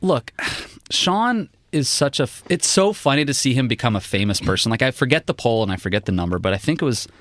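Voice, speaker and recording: A male political journalist guest chatting casually on a podcast, rambling with many "like"s and jumpy pitch. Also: fairly quick, no echo, studio quality. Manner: rambling, many "like" fillers, animated pitch jumps.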